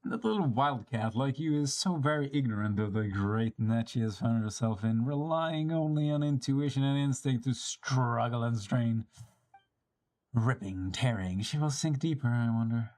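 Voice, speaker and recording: A performer voicing a cryptic, mocking game character in a dramatic, drawn-out way. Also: mid-range voice, darkish tone, lightly acted. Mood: taunting, amused.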